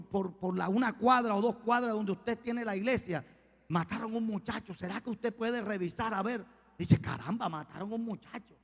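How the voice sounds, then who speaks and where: A man pastor preaches with a fairly high voice. He tells a story and acts out the dialogue, dropping low and then booming out. The sound rings with the long reverb of a church hall. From Colombia. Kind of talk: sermon.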